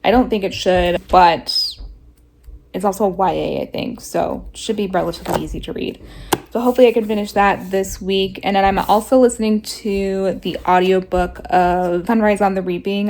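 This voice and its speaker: A young adult woman chatting casually to camera in a vlog, rambling with lots of fillers, her voice rough and stuffy from a cold. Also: medium pitch, fairly even intonation, moderate pace, darkish tone, a little hiss or hum. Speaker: vlogger.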